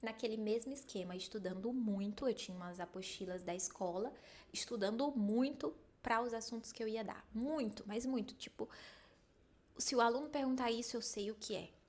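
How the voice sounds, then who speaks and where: A woman speaks in an ordinary speaking voice, pitched fairly high. Her pace is moderate and her pitch varies in an ordinary way. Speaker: French teacher. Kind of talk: personal storytelling vlog. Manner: casual, conversational.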